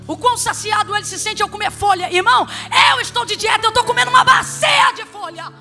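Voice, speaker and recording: A woman preaching a sermon, telling funny stories with sudden shouted peaks. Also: very high voice, fast talker, vocal fry, soft background music. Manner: animated, humorous storytelling with sudden shouted peaks.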